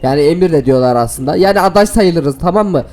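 A man with a somewhat high voice gives lively, joking commentary over a game, talking straight to his viewers and laughing often. Faint music plays in the background. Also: fast. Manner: playful and excitable, laughs often, chats to viewers. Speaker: gaming video host. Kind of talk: excited gameplay commentary.

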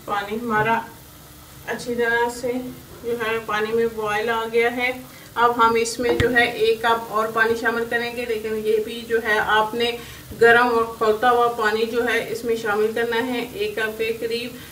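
Pakistani woman, cooking host, fairly high flat voice, echoey kitchen far from the mic. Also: a little slow. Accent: Urdu-speaking Pakistani. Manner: homely, repeats filler "jo hai" constantly. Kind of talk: step-by-step recipe narration. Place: home kitchen. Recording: echoey, distant kitchen recording with faint hiss.

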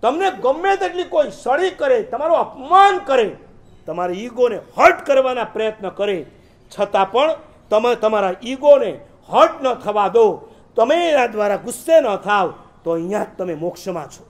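Very high-voiced man preaching with jokes. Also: expressive, moderate pace. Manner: joking, recites verses and poetry. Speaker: Jain preacher. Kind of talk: sermon.

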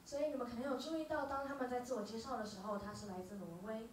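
A woman interpreting a live talk, rattling along at a fast clip and catching herself with little hesitations. Her voice sits a bit high. She is picked up from a distance in a very echoey club room with faint noise behind her. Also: steady tone. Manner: quick, with filler hesitations. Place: small dark music venue. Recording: roomy venue, from far off.

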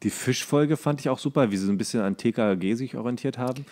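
A man's voice: mid-range voice, fast talker, a little mellow. A man co-hosting a podcast in casual comedic chat, tipsy and tired, rambling and jokey as he goes. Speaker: podcast co-host.

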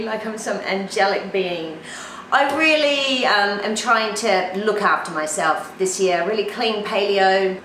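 Cooking at home, this forties-aged lifestyle vlogger from New Zealand talks to her camera in a voice that sits on the high side and a bit bright. She comes across as tired but cheerful and talkative, laughing frequently. The indoor kitchen recording is low quality and reverberant, with a little hiss or hum.

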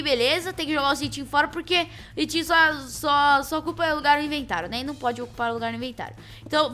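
A Brazilian gamer girl with a high, bright voice and a Brazilian Portuguese accent hosts a gaming channel and commentates a let's-play. She is excitable, shrieking and shouting at game events and teasing playfully.

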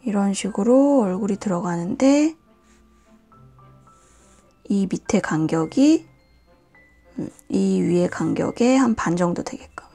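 A woman hosting a nail art and drawing tutorial, talking calmly step by step and often dropping to a whisper. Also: medium pitch, vocal fry. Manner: calm, slow, often drops to a whisper. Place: indoors at a desk, hands on camera.

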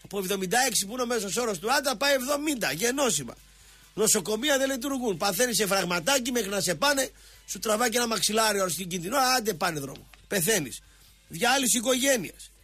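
A middle-aged man rants sarcastically on the radio, mocking and rambling. His voice is husky and sits a little high for a man, with faint music under it. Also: animated, fairly bright tone, no echo. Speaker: radio sports show host. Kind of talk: rambling satirical monologue.

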